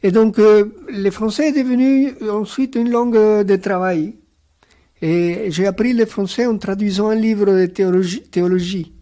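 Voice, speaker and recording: A man whose first language is Spanish, speaking on a round-table panel as a guest author, thoughtful and hesitant with many pauses and fillers. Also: sits high, steady tone, dark tone. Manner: reflective, philosophical.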